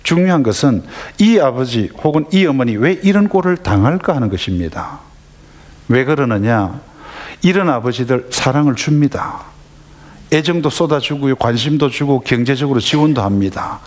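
A man's voice: medium pitch, lively intonation, normal speed, a little mellow. Male parenting lecturer, conversational, asks the audience questions.

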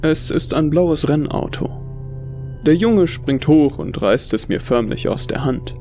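A man reading a first-person horror story as scripted narration, in a measured, brooding storytelling manner. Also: on the high side, lively intonation, darkish tone, soft background music.

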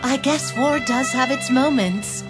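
A woman's voice: high voice, a little slow, loud music behind the voice. A sultry warrior queen. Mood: teasing. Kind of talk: video game cutscene.

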